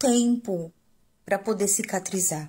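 Somewhat breathy, a woman's dark, mellow tone with ordinary pitch variation against a quiet background. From São Paulo interior, Brazil; São Paulo, Brazil. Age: 40s. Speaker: teacher, burn survivor. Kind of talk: recorded testimony. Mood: earnest, recounting painful experience. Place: home room. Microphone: phone near.

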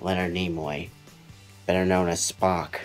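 Music plays in the background as a man speaks. His very deep, low voice stays monotone and flat. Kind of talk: casual talk to camera. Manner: flat, monotone.

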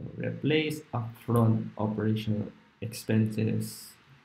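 A man speaks with audible echo from the room around him. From Philippines. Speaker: software developer; quiz host or guest. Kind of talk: casual interview quiz. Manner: halting, code-switching. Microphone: webcam.

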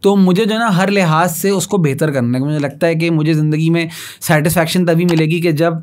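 Against a quiet background, the speaker keeps a moderate pace with fairly even intonation and hardly any pauses. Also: man, high pitch for a man. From Pakistan. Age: 30s. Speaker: stand-up comedian and rapper; podcast guest, comedian. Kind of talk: casual interview chat. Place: studio. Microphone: studio mic.

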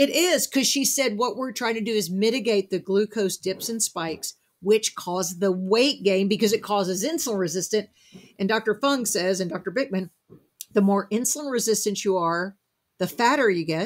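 A woman speaks with ordinary pitch variation at a moderate pace, and the background is quiet. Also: medium pitch for a woman. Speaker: podcast host and health coach; podcast host, health coach. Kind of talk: interview. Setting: remote call. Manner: talkative. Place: home room.

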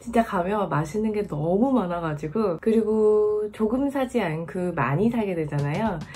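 A woman at a fairly slow pace with hardly any pauses, medium pitch and lively intonation, over noticeable background noise. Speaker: Chinese language teacher. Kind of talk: casual talk to camera.

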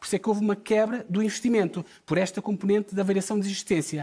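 This man speaks with a European Portuguese accent at a very fast pace. His pitch sits high. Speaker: economics commentator. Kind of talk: TV news analysis.

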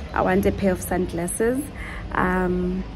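A woman's voice is heard with music playing behind it. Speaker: vlogger. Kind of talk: casual vlog chat. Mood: excited, chatty. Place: home room. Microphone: phone near.

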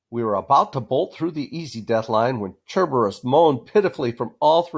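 An unforced reading voice comes through with lively intonation.

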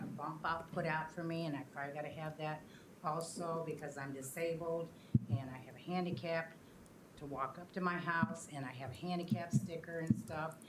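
A woman with a very deep, low pitch talks at a moderate pace in fairly even intonation, her loudness swinging widely. Noticeable background noise and audible room echo fill the recording. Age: 70s. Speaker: resident giving public comment. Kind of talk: public comment at council meeting. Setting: council chambers.

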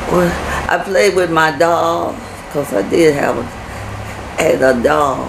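A woman with a Louisiana accent, very deep and low in pitch, with ordinary pitch variation, a fairly slow pace, long, frequent pauses and noticeable background noise. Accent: Southern US, Louisiana. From Denham Springs, Louisiana. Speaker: interviewee. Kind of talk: interview answer. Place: home room.

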